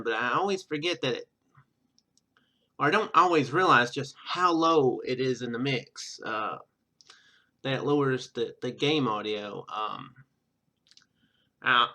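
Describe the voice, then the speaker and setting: A man giving casual gameplay commentary in a halting, rambling, self-deprecating way. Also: medium pitch, pushed and bright. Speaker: let's player. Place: indoor room at home.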